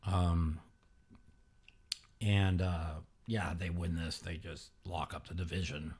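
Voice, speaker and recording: A man hosting a podcast in casual sports betting talk, sluggish and halting, with many fillers and restarts, sometimes speaking quietly. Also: deep voice, flat delivery, breathy edge. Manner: talks quietly at times. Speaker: podcast host.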